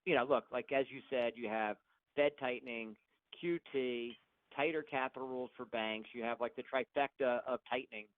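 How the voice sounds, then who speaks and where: A man's voice: mid-range voice, fairly even intonation, moderate pace, no echo. Blunt male analyst on dull phone audio. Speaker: analyst asking questions. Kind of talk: conversational questioning on an earnings call.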